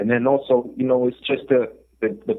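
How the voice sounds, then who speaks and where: In a New York accent, a man talks at a medium pitch and a moderate pace. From US Northeast, New York City (East Harlem). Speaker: rapper. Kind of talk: casual interview. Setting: phone call.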